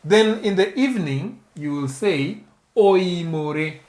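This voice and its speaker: A man's voice: on the high side, unhurried, fairly bright tone. A man with a Kenyan accent giving a beginner language lesson, patiently instructing and prompting the learner to repeat. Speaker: language teacher.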